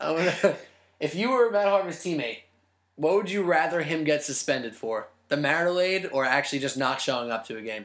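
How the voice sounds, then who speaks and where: A man with an American accent talks at a fairly quick pace in an ordinary speaking voice. His pitch is fairly high and his intonation lively. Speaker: podcast host. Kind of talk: casual sports banter podcast.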